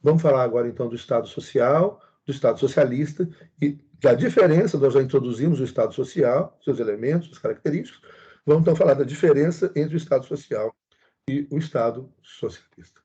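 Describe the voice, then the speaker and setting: A man's voice: mid-range voice, fast, warm tone, breathy edge, muffled recording. A middle-aged Brazilian man lecturing online with emphatic repetition and constant tag questions. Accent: Brazilian Portuguese. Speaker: university lecturer.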